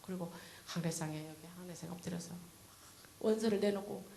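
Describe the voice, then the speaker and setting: A woman's voice: fairly low pitch, fairly quick, gravelly, warm tone. A woman in her fifties, an evangelist, giving an earnest, emotional testimony sermon in a church. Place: church sanctuary. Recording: echoey church hall with faint hiss.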